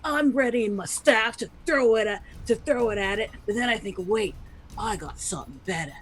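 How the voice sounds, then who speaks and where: A woman's voice: mid-range voice, breathy edge. A woman voicing a small, boastful Australian noblin adventurer telling a dramatic tall tale in a tabletop game.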